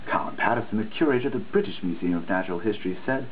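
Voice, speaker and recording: A man's voice: fairly low pitch, lively intonation, rapid-fire. A man giving a dramatic reading of a written text, earnest and emphatic in a preachy way, now and then stumbling over a word. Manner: earnest, emphatic, preachy delivery with occasional misreadings. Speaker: reader of a dissertation. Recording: tinny phone-like sound with faint noise.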